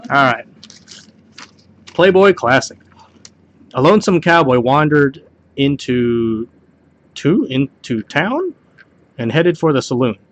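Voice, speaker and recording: Man, mid-pitched voice, casual joke reading, homemade delivery, stumbles and rereads. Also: big pitch swings, takes it slowly, pauses often, a little hiss or hum. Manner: stumbles over the text and rereads lines. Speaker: joke reader hosting a home video. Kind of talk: casual reading aloud of party jokes.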